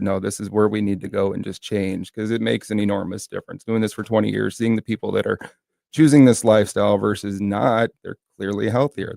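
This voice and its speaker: Deep, gravelly, fast-talking man explaining. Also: a little mellow, no room sound, studio quality. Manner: earnest, explanatory, fluent. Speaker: health food store owner, guest. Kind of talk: radio interview guest. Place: radio studio.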